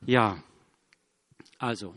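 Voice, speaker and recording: A middle-aged man, a surgeon, telling his church testimony in an earnest, animated way, with slightly broken German grammar. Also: fairly low pitch, drawn-out words, big-room sound. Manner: earnest, animated storytelling with acted quotes and repetitions.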